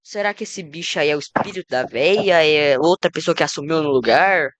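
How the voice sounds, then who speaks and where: A woman with a Brazilian accent in casual reaction chat, slangy and halting as she thinks aloud. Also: low voice, no echo. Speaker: reaction video commentator.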